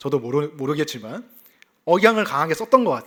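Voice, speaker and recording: Speaking at a fairly quick pace with a slight Gyeongsang accent, a man uses a fairly high pitch and very wide pitch swings in a very clean recording with a silent background. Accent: slight Gyeongsang Korean. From South Korea, Yangsan, South Gyeongsang. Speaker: pastor. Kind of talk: sermon.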